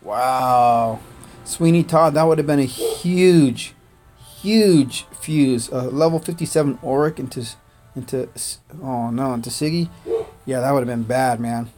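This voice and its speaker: On a strategy game stream, this man, born in Korea with Korean as his first language, rambles a little slowly in an ordinary mid-pitched, darkish voice. He thanks viewers by name, sprinkling in "uh" and "man," while faint music plays behind.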